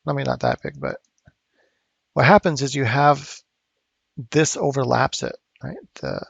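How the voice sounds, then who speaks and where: Man, gravelly fry-heavy voice, dry close sound, casual rambling tutorial. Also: mid-range voice, no echo. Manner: rambling, thinking aloud with fillers. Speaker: art instructor. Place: home studio.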